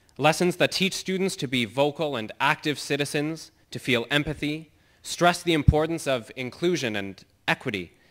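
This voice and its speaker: A man with a Canadian accent has a normal speaking voice, talking at a moderate pace in a fairly high pitch with ordinary pitch variation on a very clean recording with a silent background. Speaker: student. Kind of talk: conference speech. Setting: stage with audience.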